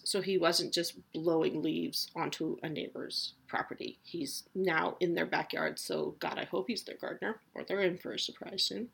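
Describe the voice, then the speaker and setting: A woman's voice: on the low side, creaky, husky. A woman in her forties hosting a casual solo podcast from home, chatty and rambling, with a self-deprecating humor. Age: 40s. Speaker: podcast host.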